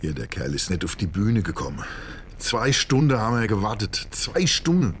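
A man's voice: fairly low pitch, big pitch swings, normal speed, a little hiss or hum. An actor playing an agitated local concertgoer with a Hessian German accent, telling his story colloquially and indignantly in a radio play. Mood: indignant, excited. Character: agitated local concertgoer, gruffly recounting a rock-show brawl.

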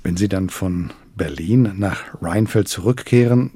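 A man hosting a radio culture program, asking measured, polite questions in the studio. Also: low voice, mellow, husky, no room sound. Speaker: radio host. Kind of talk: radio interview. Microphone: studio microphone.

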